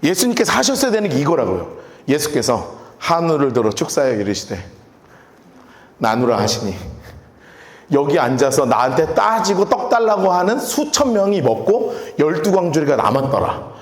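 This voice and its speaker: Lively, high-voiced preacher in an echoey church. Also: male voice, moderate pace. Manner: animated, playful, acts out scenes. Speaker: pastor. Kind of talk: sermon.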